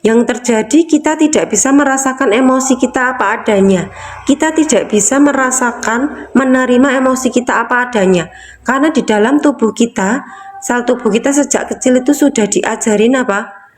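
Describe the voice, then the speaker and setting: Woman coach, casual talk, fairly high voice, keeps asking rhetorical questions. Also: moderate pace, slight background noise. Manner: repetitive, asks rhetorical questions. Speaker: emotional release coach. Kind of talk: casual teaching talk to viewers.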